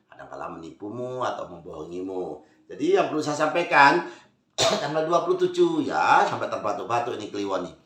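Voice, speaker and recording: A man giving a casual spoken horoscope reading, chatty, calling listeners brothers and sisters and swinging between loud stresses and soft asides. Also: fairly low pitch. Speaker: zodiac fortune reader. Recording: roomy echo.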